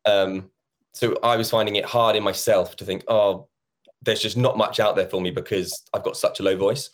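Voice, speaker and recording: A man talks in a relaxed, chatty way, slipping into little quoted exchanges as he tells his story. He is in his thirties, and his voice sits on the low side. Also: moderate pace. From England. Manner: chatty, acts out quoted conversations. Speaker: musical theatre actor, guest. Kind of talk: casual interview chat.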